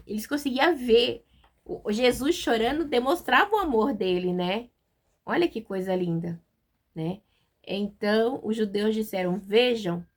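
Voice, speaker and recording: Brazilian woman giving a chatty Bible talk. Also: medium pitch. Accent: Brazilian Portuguese. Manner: chatty, with many fillers and tag questions, reading verses slowly. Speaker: Bible teacher. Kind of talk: informal devotional Bible talk.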